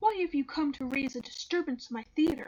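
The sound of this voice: A woman puts on a gruff character voice at a high pitch. She talks at a fairly quick pace.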